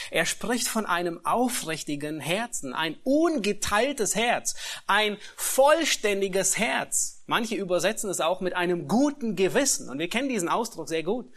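A man preaching a sermon and reading scripture, stressing key phrases slowly and repeating words as he searches for them. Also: sits high, lively intonation, fairly bright tone. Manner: emphatic, slows and rises on key phrases. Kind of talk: expository sermon.

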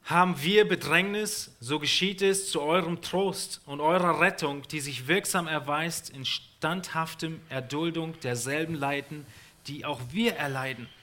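A man interprets a sermon live, matching the preacher phrase by phrase. His voice is bright and a little higher than most men's, and he copies the preacher's delivery, sometimes stumbling and starting over. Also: measured pace. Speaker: church interpreter.

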